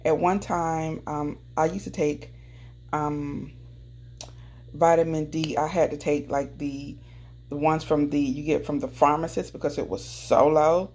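A woman's voice: low-pitched, steady tone, unhurried, a little mellow. A middle-aged woman chatting casually and informally to her viewers as a home lifestyle vlogger, recorded indoors on a handheld camera. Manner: informal, addresses viewers directly. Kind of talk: casual vlog chat. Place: indoors in a house. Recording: clearly noisy home recording, clicks.

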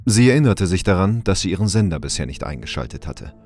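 A man's voice: deep voice, big pitch swings, fast talker, a little mellow, soft background music. A man giving scripted narration for an audio drama.

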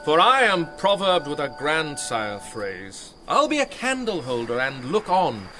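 A man's voice: fairly high pitch, very animated, a little slow, bright, forceful tone, soft background music, heavily acted. An actor with a British accent playing a melancholy, lovesick young nobleman in a Shakespearean radio drama, earnest and poetic. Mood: wry, restless.

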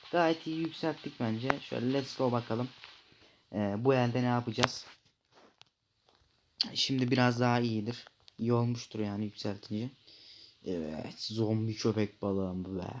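A young man talking his way through a mobile game in loose, chatty commentary, mid-pitched and easygoing. He jokes with the fish on screen and now and then bursts into loud shouts. There is a faint hiss under his desk-mic voice. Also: poor audio. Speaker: gaming YouTuber. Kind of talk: casual gameplay commentary.

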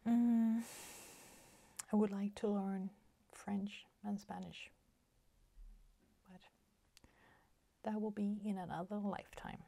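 A Swedish woman in her forties with a Swedish accent, chatting softly at her craft table with many fillers and half-whispered asides. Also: mid-range voice, little pitch movement, slow, vocal fry, pauses often. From Sweden. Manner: soft-spoken, slips into whispers, many fillers. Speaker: crafting channel host. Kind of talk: casual chat while crafting. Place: home craft table, indoors.

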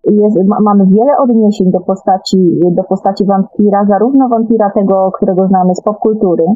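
A woman's voice: mid-range voice, fairly even intonation, brisk, no echo, soft background music. Woman guest on a phone-like line. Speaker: guest author. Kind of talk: unscripted radio discussion. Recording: narrow, tinny phone-like call line.

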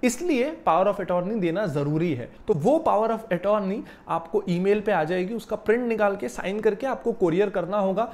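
A young man giving a lively explanatory video lesson about investing, seated in a small office and using a lapel mic. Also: high-pitched, normal speed, few pauses. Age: young adult. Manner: animated, gestures while explaining. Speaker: finance educator.

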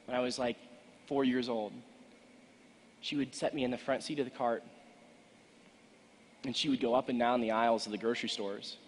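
A man in his twenties giving an earnest, emphatic motivational keynote speech to an audience, with deliberate pauses. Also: mid-range voice, fairly even intonation, slight background noise. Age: 20s. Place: large conference stage indoors, seated. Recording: echoey hall with long reverb.

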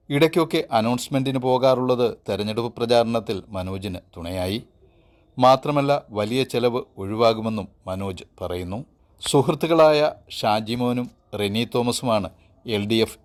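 A man's voice: fairly low pitch, moderate pace. A man reading a scripted news report as a reporter.

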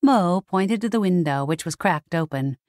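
A woman's voice: on the low side, animated, moderate pace, a little mellow, dry recording, clean studio sound. A woman narrating a first-person mystery audiobook from a script.

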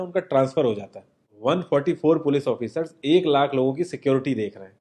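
An earnest young man speaks straight to the viewer in an informal, persuasive monologue. His voice sits a little high but has a warm, mellow tone. He is seated indoors, recorded on an off-camera mic. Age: young adult. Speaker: social commentary presenter. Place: indoor home studio, seated.

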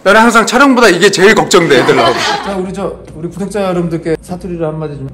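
A man's voice: high-pitched, very fast, a crowd in the background. A man in his forties, a gym trainer and host, coaching with short encouraging cues and frequent laughs. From Korea. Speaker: gym owner and trainer hosting. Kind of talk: casual coaching chat. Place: large indoor gym. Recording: echoey gym with people around.

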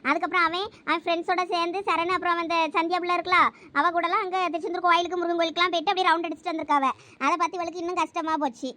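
Woman for a fast-talking, teasing young village cousin, Thoothukudi Tamil accent, high voice. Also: level tone, pushed and bright. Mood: explaining. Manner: quick, bossy, teasing. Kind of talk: comedy skit acting.

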